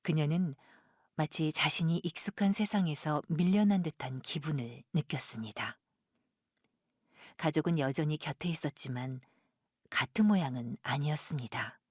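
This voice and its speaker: A woman's voice: deep voice, normal speed, darkish tone, slightly rough, no echo, studio quality. A woman narrating an audio drama from a script as a storyteller.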